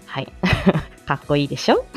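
A woman's voice: deep voice, huge pitch swings, normal speed, soft background music. A woman who is a speech-language therapist hosts a casual live stream, chatting with many fillers and frequent laughs.

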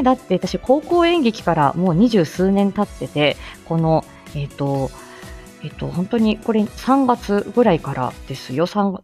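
A woman in her forties hosts a casual live stream, greeting listeners in a chatty, humble way, laughing often and filling the pauses. Her voice is mid-range and a little mellow.

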